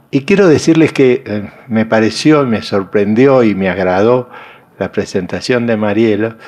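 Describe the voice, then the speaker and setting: Fairly slow speech with ordinary pitch variation against noticeable background noise. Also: man. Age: 70s. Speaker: logotherapist and lecturer. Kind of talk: lecture. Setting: university conference hall with audience.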